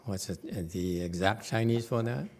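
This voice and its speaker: A man teaching as a Buddhist master, answering questions in a halting way with long hesitations and repeated words. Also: fairly low pitch, a little mellow.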